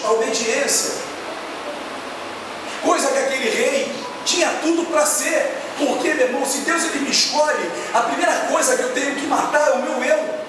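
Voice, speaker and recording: Brazilian pastor preaching in an echoey hall. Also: male voice, very high-pitched. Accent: Brazilian Portuguese. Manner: animated storytelling, acts out dialogue. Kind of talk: sermon. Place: church hall. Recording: echoey church hall, distant mic, noisy.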